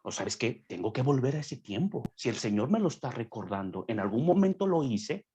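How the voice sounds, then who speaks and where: A man's voice: mid-range voice, big pitch swings, fairly quick, dark tone, breathy edge. A young man speaking as a guest on a podcast, preaching earnestly and acting out quoted voices as he explains a point.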